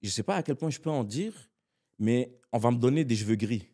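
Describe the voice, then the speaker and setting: A man's voice: mid-range voice, a little fast. A man, a comedian and actor, telling stories as a podcast guest in slangy speech that slips into English. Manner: animated, slangy, mixes in English. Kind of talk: casual storytelling in conversation.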